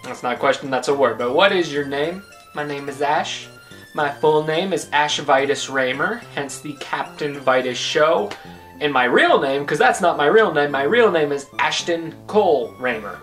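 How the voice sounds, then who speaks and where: A man's voice: a little high, lively intonation, moderate pace, a bit bright, faint music behind. A man in his twenties, the host of his own vlog, answering questions about himself in a joking, rambling way. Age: 20s. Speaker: YouTube host. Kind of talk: casual vlog Q&A.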